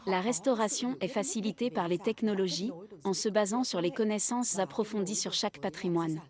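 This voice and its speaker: A woman's voice: mid-range voice, fairly quick, a crowd in the background. A woman researcher explaining her work in an interview. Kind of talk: interview answer.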